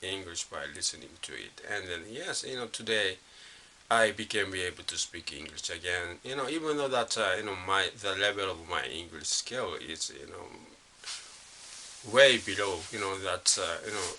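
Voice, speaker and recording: Halting middle-aged Japanese man, bright edge. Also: low voice, animated, slight background noise. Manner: halting, leans on constant "you know" fillers and restarts. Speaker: vlogger. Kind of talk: unscripted casual monologue.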